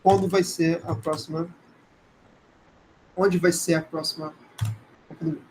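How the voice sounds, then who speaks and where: A Brazilian man with a fairly high voice teaches an informal live class. He speaks conversationally and hesitantly, often checking in with short tag questions. Noticeable noise sits behind his voice. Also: flat delivery, measured pace, a little mellow, poor audio. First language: Portuguese. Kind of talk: informal live lecture with screen demonstration.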